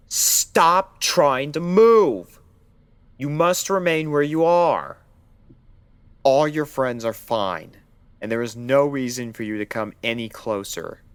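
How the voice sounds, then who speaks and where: A man's voice: mid-range voice, smooth, no echo, pitched above the performer's own voice. A man voicing a guarded, authoritative pony doctor who questions clinically in an audio story. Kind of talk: dramatic audio story acting.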